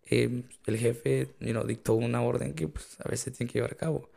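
A man with a US Latino Spanish accent in casual, anecdotal conversation. His voice is very creaky and husky, with a dark, mellow tone. He slips between languages and often tags phrases with a little questioning check. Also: medium pitch, fairly even intonation, normal speed. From Latin American immigrant living in the United States. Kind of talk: casual chat, telling personal anecdotes.

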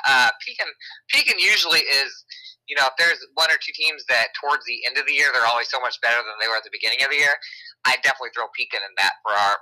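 A hoarse man co-hosting a local sports talk show, talking at length with lots of fillers. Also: mid-range voice, pushed and bright, rough recording. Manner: chatty, hedging with fillers. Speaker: sports radio co-host.

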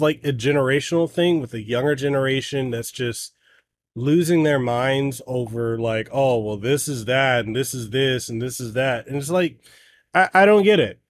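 A man with a slightly higher voice than most men rants on his gaming podcast. He talks bluntly and heatedly and swears freely as he makes his case. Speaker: podcast host. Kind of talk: ranting solo podcast talk.

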